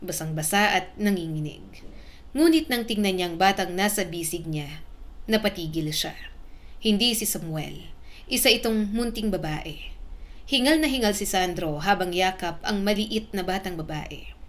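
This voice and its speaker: A woman narrating a dramatic story slowly and with feeling, pausing for effect. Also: medium pitch. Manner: slow, emotional, dramatic pauses.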